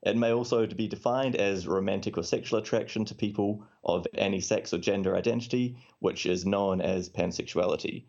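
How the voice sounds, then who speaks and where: A man's voice: fairly low pitch, a little fast, creaky, few pauses, darkish tone. A man with a New Zealand accent, a podcast guest chatting casually and explaining things with dry jokes. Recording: dull lo-fi audio.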